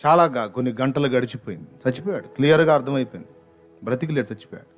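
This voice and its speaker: A man's voice: mid-range voice, rapid-fire, soft background music. A male pastor who preaches a sermon by telling a dramatic story with strong emotion.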